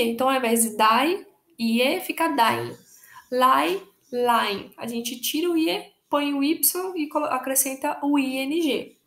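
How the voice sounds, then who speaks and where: A young Brazilian woman with a high voice gives an online English grammar lesson, patiently going over rules again and spelling out letters. Her sound is roomy, and she has a Brazilian Portuguese accent.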